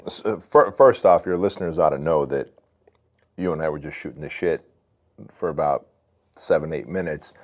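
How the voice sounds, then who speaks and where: A man's voice: very deep voice, normal speed, long pauses, darkish tone. A man in his forties from Armenia, a podcast guest telling his story in a candid, loose way. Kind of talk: casual storytelling.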